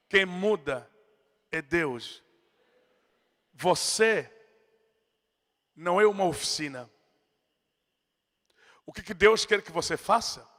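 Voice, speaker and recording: A man's voice: sits high, pushed and bright. Emphatic man preaching in a reverberant hall. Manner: emphatic preaching, acts out quotes. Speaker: pastor. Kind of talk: sermon.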